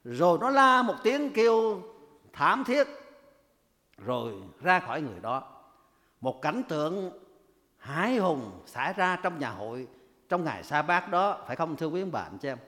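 A man's voice: fairly high pitch, big pitch swings, normal speed, sharp tone. A man preaching a sermon, asking the congregation rhetorical questions and raising his voice when he quotes. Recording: long hall reverb.

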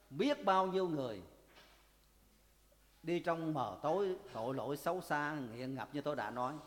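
High-voiced man preaching in a reverberant hall. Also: fairly bright tone. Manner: emphatic, with drawn-out pauses and repeated address to the congregation. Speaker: pastor. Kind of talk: sermon. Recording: long reverb of a church hall.

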